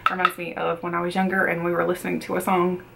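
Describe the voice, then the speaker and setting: A woman in her thirties talks casually to the camera while doing her makeup at her desk. Her voice sits a little low, and she is chatty, doubling words for emphasis. She feels she is losing her voice. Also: monotone, fast talker, creaky, fairly bright tone, slight background noise. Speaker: beauty vlogger. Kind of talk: casual get-ready-with-me chat. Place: small bedroom makeup setup, indoors.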